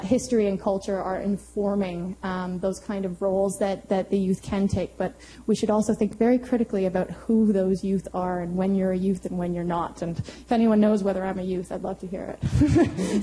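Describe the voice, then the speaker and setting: A woman history professor giving thoughtful panel remarks to a university audience, pausing often to find her words. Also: mid-range voice, steady tone, dark tone, slight background noise, low-quality recording.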